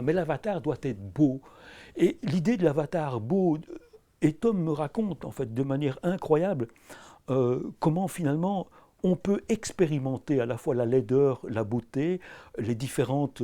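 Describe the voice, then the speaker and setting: Belgian prof guy, mellow low-key voice, lots of euhs and restarts, talking to an interviewer. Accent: Belgian French. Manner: hesitant, many fillers and restarts. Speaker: anthropology professor. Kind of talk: filmed interview. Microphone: camera crew sound.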